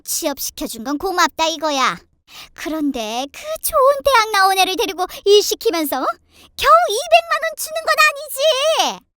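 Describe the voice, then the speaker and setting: A woman's voice: very high voice, very animated, pushed and bright, dry recording, studio quality, voice pushed up, exaggerated voice. A woman voicing a nagging, indignant older mother-in-law with a scolding, haughty manner in a dramatized family story. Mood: sarcastic, outraged. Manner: scolding, haughty, rapid complaints.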